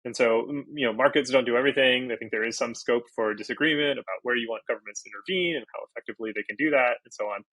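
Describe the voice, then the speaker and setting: A man's voice: medium pitch, rapid-fire, hardly any pauses, a bit bright, no room sound, low-quality recording. A Portuguese-native man from Brazil, a podcast guest, talking casually and thinking aloud with many fillers and restarts. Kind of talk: casual interview talk.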